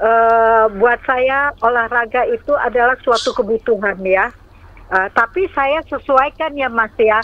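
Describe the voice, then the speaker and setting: Speaking very slowly, a woman uses a high voice. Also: ordinary pitch variation. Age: 70s. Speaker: caller. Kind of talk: call-in question. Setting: phone call.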